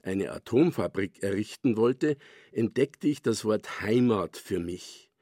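An older man from Bavaria, a dialect poet, reading a scripted personal essay for radio in a calm, measured way. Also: fairly low pitch, dry recording, studio quality. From Bavaria, Germany.

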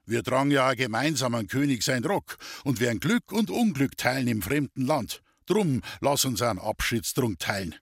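A man voicing a cheerful young male artilleryman with a Bavarian accent, speaking in a husky, hearty voice. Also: medium pitch, normal speed, few pauses, dry recording, clean studio sound, exaggerated voice. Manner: hearty, lively dialect speech.

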